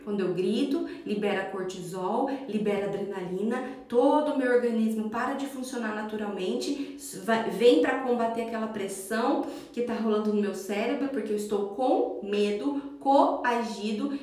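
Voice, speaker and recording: Woman, 30s, parenting educator, animated teaching talk, fairly high pitch, echoey room. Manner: animated, acts out yelling parents and children. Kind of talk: instructional live stream talk.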